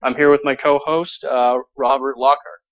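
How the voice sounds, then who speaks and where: A man's voice: medium pitch, fairly even intonation, normal speed, lo-fi sound. A man hosting a podcast in a casual, conversational style. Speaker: podcast host, indie game developer.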